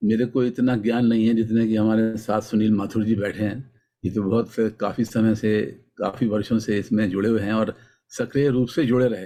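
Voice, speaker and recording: Dark, mellow tone with very even loudness and fairly even intonation. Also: man. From Meerut, western Uttar Pradesh, India. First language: Punjabi (speaking Hindi). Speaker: actor and writer. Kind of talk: panel discussion.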